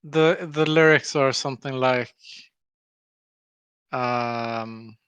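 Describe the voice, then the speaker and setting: A man co-hosting a casual chat, hesitant and halting with many fillers. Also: mid-range voice, a bit bright, clean tone, no room sound. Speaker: co-host.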